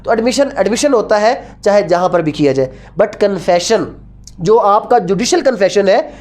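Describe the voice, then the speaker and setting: A woman's voice: medium pitch, lively intonation, moderate pace, a little mellow. A woman with a Pakistani accent giving an explanatory lecture, didactic, asking and answering her own questions and repeating key phrases. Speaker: law lecturer. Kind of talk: explanatory law lecture, code-switching with English.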